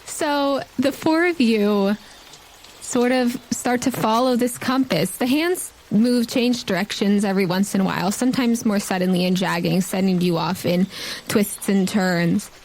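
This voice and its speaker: A woman's voice: medium pitch, unhurried, slight background noise, poor audio. A woman, hosting and narrating a tabletop game as game master. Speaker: game master and podcast host. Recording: loud music under the voice. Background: music.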